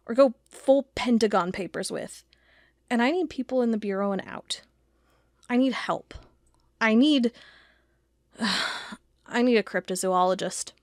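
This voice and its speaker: A woman playing an agitated, suspicious, sharp-tongued investigator thinking aloud in an audio drama monologue. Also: medium pitch, no room sound, clean studio sound, natural voice. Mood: determined, muttering. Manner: thinking aloud, emphatic, muttering to herself.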